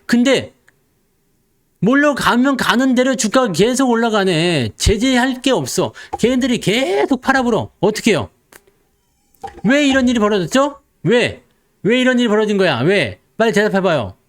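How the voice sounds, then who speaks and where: A man's voice: high-pitched, very animated, normal speed. A man giving casual, joking stock market commentary and acting out investors' voices. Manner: playful, acts out investors' voices, jokes with viewers.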